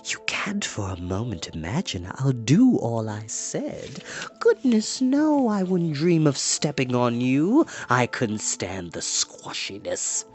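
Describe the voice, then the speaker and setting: A cheery, scatterbrained enchantress from a storybook, sweetly indulgent as she threatens, her voice leaping up and down in a lively sing-song, as a reader puts her on. Soft music plays underneath. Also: mid-range voice, slow, voice pushed up. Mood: cheerily menacing. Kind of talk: audiobook reading.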